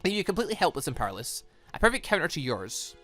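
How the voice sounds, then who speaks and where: A man's voice: a little high, sing-song, quick pace, fairly bright tone, soft background music. A man voicing a smug, condescending male villain in a visual novel game, with a pompous, lecturing delivery. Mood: smug, taunting.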